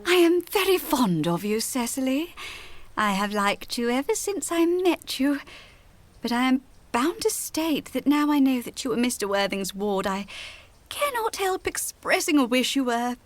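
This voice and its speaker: A woman playing an elegant, haughty young society lady, measured, mannered and politely catty in period stage comedy. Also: sits high, sing-song, no echo, pitched above the performer's own voice. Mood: coolly polite.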